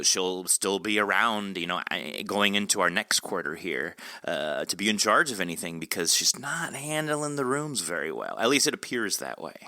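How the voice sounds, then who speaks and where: A man hosting a casual behind-the-scenes podcast chat, informal and halting. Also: lowish voice, sharp tone, dry recording, clean studio sound. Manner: halting, informal, mildly sweary. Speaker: podcast host.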